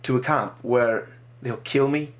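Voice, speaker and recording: A man's voice: medium pitch, measured pace, lightly acted. A man voicing a grief-stricken young man whose cries are raw and pleading. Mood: bitter.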